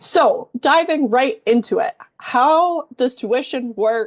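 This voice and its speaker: A woman's voice with very wide pitch swings against a quiet background. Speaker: university student services presenter. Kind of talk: webinar presentation. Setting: online webinar.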